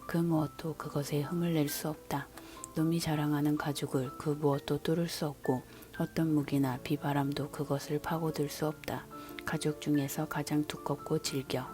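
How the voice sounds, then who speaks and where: A woman reading God's words to a man in an unvoiced whisper, as a whispered scripture reading. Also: sits low. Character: almighty God questioning a man. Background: soft background music.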